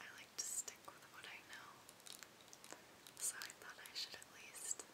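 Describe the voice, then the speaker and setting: Fairly slowly, a woman talks in a whisper. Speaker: ASMR creator. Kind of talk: ASMR whispered haul video, casual talk. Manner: whispering, soft. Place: home room.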